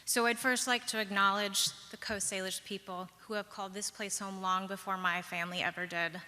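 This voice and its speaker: On a live stage in a large hall, a young woman from the Pacific Northwest of the USA shares a personal story, measured and reflective, with lilting pauses. Her mid-range voice is bright and forceful in tone, though her delivery is flat. The recording carries a long hall reverb.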